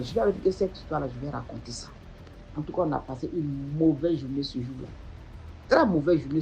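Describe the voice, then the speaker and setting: A man's voice: fairly high pitch, darkish tone, slight background noise, rough recording. A man finishing a personal story in casual, repetitive phrasing.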